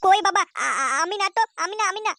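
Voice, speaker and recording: A man voicing a cheeky young son in a comedy cartoon, whining and squeaky. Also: expressive, quick pace, pushed and bright, a little hiss or hum, heavily acted. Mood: whiny, defensive. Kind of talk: Bengali comedy cartoon dubbing.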